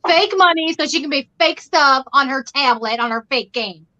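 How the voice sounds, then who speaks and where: A middle-aged woman hosting a casual livestream chat from her bedroom, with a loud voice and a rambling manner full of anecdotes. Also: high-pitched, normal speed. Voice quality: loud, animated storytelling voice. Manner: rambling, tells anecdotes with quoted dialogue. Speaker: livestream host. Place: bedroom at home. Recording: dull lo-fi livestream audio.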